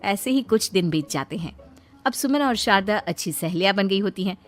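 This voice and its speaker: A woman narrating a cartoon moral story in an even storytelling manner. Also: medium pitch, moderate pace, soft background music.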